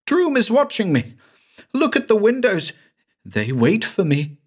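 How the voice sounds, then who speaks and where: Man voicing a shrill, panicking haunted man. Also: huge pitch swings, a little slow, breathy edge, heavily acted. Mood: hysterical. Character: terrified grown man, hysterical, haunted by visions.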